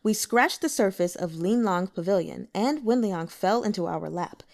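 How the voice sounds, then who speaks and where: A woman voicing a sharp, suspicious male lord who questions his subordinate in a dry, probing way. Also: medium pitch, normal speed, close to an everyday voice.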